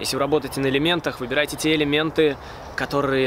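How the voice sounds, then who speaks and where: Over noticeable background noise, a man talks at a very fast pace with fairly even intonation, in a dry sound with no echo. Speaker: fitness coach. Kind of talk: tutorial. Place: open country.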